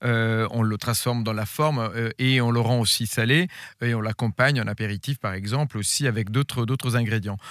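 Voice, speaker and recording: Speaking with a slight Italian accent, a man keeps his intonation fairly even. The recording is very clean, dry and close, with no echo and a silent background. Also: medium pitch for a man, moderate pace. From Italy. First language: Italian (speaking French). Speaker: food journalist. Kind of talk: radio interview.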